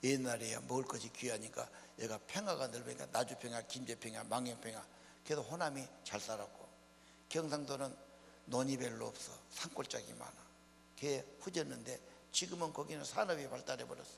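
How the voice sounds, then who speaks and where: A man's voice: medium pitch, fairly quick, gravelly. An older man, preaching a sermon in a folksy way, asking the congregation questions. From Honam region of Korea. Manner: folksy preaching, plain speech mixed with rhetorical questions. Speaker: pastor. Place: church hall. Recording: church hall reverb, mains hum.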